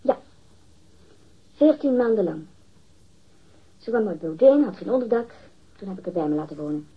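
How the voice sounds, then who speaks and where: An actress playing a defensive, haughty young librarian under questioning in a radio drama, curt and bitterly sarcastic. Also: female voice, medium pitch, animated, moderate pace, slightly rough, muffled recording. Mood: guarded, irritated.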